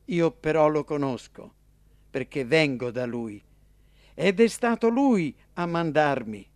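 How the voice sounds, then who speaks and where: A man's voice: on the high side, expressive, no room sound. A fervent male teacher speaks in a raised, ringing voice, each phrase drawn out and stressed, as a man reads him aloud. The sound is close and completely dry. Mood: impassioned. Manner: emphatic, declaiming, slow and ringing. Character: male preacher-teacher, earnest and impassioned.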